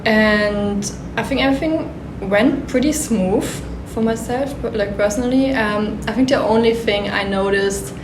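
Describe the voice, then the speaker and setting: A woman's voice: mid-range voice, normal speed, few pauses, echoey room, noisy background. A woman in her twenties from Austria, an exchange student answering interview questions casually and with many hesitations. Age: 20s. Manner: hesitant, many ums and likes.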